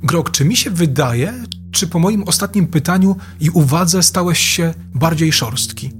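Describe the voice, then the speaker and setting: A man's voice: a little high, lively intonation, a little slow, music in the background. A man questioning an AI assistant aloud in casual, probing and insistent speech. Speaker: user questioning an AI.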